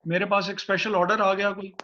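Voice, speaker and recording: A man's voice: high voice, little pitch movement, bright, forceful tone, muffled recording. Man on a choppy, cutting-out online call. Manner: measured, hesitant, many fillers. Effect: choppy, cutting-out online call audio. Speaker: teacher. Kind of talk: online lecture.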